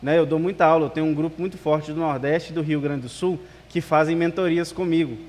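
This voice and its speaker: A man's voice: fairly high pitch, fairly even intonation, a little fast, a little mellow. A male pastor with a Minas Gerais Brazilian accent, preaching to a congregation in a conversational manner. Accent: Minas Gerais Brazilian Portuguese. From Espírito Santo, Brazil. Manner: conversational, rhetorical questions, tag "né". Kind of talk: sermon to a congregation. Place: church service, amplified hall. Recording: reverberant hall.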